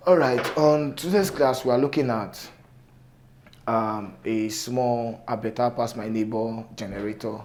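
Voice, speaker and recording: A man's voice: fairly low pitch, darkish tone. Man with a cracked, sore-throat voice, noisy recording. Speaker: repair instructor and host. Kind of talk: hands-on tutorial, informal explaining. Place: indoor workshop table. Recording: noticeable background noise, clicks.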